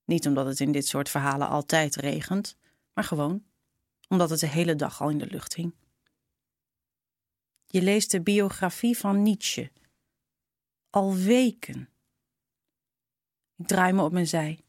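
A woman narrating a short story in a slow, intimate reading style. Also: lowish voice, a little mellow, no room sound, clean studio sound. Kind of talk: scripted storytelling.

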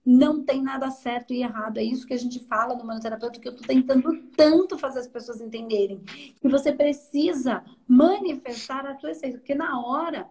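A woman with a Brazilian accent, speaking in a fairly high voice as an energy therapist mentoring a student. She explains in an animated, conversational way and often asks whether her point has landed. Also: brisk. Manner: animated and explanatory, often checking understanding with tag questions.

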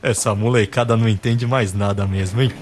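A man's voice: fairly low pitch, steady tone, a little fast, natural voice. A man voicing a grumbling but kindly Brazilian mail clerk with a folksy, slangy manner in a comedic radio play. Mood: gruff friendly.

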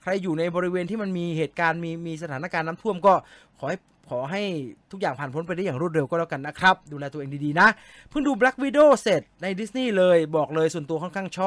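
A man's voice: high-pitched, fairly bright tone, no room sound. A man hosting a casual live stream, reading out viewer comments and answering them in a chatty, joking way.

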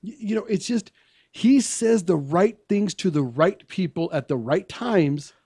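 A man's voice: high-pitched, expressive, vocal fry, dark tone, slightly rough, no echo. A man co-hosting a talk radio show, explaining and arguing his political points at length. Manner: explaining, argumentative, measured. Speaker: co-host.

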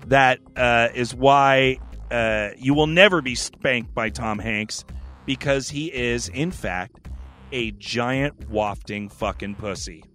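A man hosting a podcast, telling stories in a profane, animated casual chat. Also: medium pitch, slow pace, faint music behind. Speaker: podcast host.

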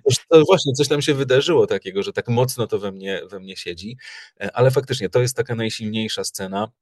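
Man, very low voice, hesitant casual interview talk, dry sound. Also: a little fast, a little mellow, no room sound. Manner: hesitant, many fillers and restarts. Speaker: guest, audiobook narrator.

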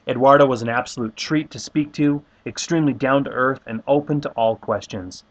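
A man's voice: medium pitch, normal speed, lo-fi sound. A man hosting a podcast, reading an upbeat scripted introduction. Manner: upbeat, enthusiastic. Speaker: podcast host.

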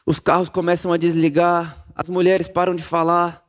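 A man preaching a sermon, telling the story vividly and swinging from loud emphasis to a hush. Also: on the high side, normal speed. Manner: animated storytelling, acting out voices, swings between loud and hushed.

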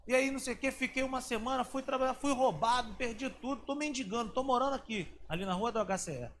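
A man's voice: extremely high pitch, quick pace, fairly bright tone, slight background noise, pitched above the performer's own voice. Man doing a dejected young street drifter. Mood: plaintive. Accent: Minas Gerais. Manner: slangy, plaintive. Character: young homeless man, dejected, down on his luck.

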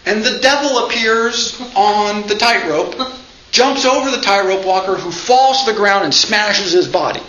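A man giving an informal lecture in a classroom, lively and joking as he acts out quotes. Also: high voice, unhurried, slight background noise. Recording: echoey room, dull lo-fi sound.

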